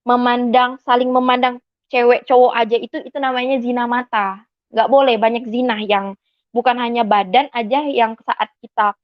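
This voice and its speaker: A woman's voice: on the high side, dry recording. Young Indonesian woman telling her testimony. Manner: earnest storytelling that acts out quoted dialogue. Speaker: convert giving a testimony. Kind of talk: personal testimony. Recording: slightly dull, dry recording.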